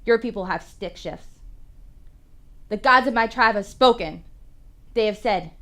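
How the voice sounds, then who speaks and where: A woman's voice: medium pitch, measured pace, pushed and bright. A woman performing a dramatic monologue as a defiant, vengeful tribal girl, declamatory and accusing. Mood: indignant, defiant. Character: defiant, vengeful Native girl confronting the pilgrims.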